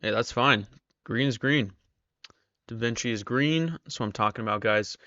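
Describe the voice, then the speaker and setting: Reading viewer comments aloud in a chatty way, a male live-stream trader hosts a casual session while his voice gives out, sounding tired and strained. He speaks at medium pitch and normal speed with a sharp tone. There's no room sound, and the high frequencies are cut off.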